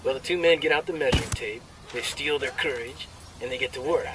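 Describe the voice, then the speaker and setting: A man's voice: medium pitch, noisy background, natural voice. Brash male soldier for a video game, played by a male actor: crude, cocky storyteller, slightly distant, over faint vehicle ambience. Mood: cocky, joking. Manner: crude, swaggering, drawn-out punchline delivery. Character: brash, crude male army soldier cracking off-duty jokes. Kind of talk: military banter, performed joke storytelling.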